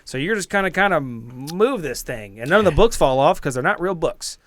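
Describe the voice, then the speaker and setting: A man with a fairly high voice acts as game master on a tabletop podcast. He improvises his narration, often hedging and starting over as he builds the scene. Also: animated, fairly bright tone, no room sound. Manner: halting, hedging delivery.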